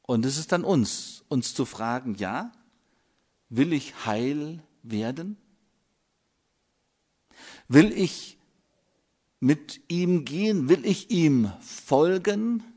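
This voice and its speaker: An older man preaching a sermon in a measured way, with long dramatic pauses. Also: on the high side, animated, warm tone.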